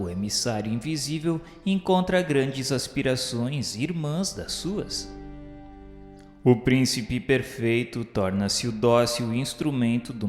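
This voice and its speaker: A man with a Brazilian accent narrates a radio drama in a solemn, measured way. His medium-pitched voice carries formal, literary phrasing. It rings with heavy echo, and music plays behind him. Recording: echoey hall-like reverb with music.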